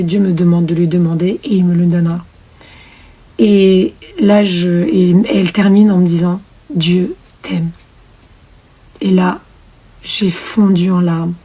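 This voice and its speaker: A young woman tells her personal testimony with real emotion. Her voice is mellow and a little husky, and she acts out each remembered conversation. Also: medium pitch. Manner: emotional, storytelling with fillers and quoted dialogue.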